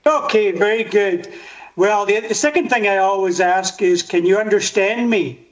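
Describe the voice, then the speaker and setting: An older man from Scotland with a Highland accent, giving a keynote by video call and asking the audience questions. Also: moderate pace, roomy sound. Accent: Scottish Highland. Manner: interactive, asks the audience questions. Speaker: keynote speaker. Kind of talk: conference keynote over video link. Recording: dull lo-fi video call audio.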